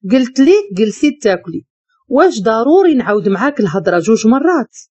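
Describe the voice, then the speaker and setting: A woman's voice: on the high side, big pitch swings, fast talker, a little mellow, slightly rough. A woman with a Moroccan Arabic accent voicing a harsh, domineering rich man who scolds and gives orders. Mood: scolding. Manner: cold, scolding and commanding. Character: harsh, domineering wealthy man, master of a palace.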